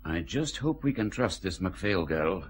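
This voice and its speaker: A deep-voiced brusque police chief. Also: male voice, big pitch swings, moderate pace. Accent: Scottish. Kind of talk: radio drama acting.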